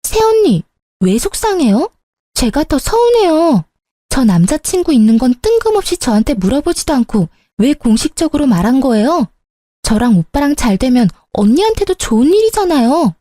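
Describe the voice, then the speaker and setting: A woman playing a young sister-in-law, high, whiny, entitled, dry close sound. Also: sing-song, moderate pace, dark tone, no room sound.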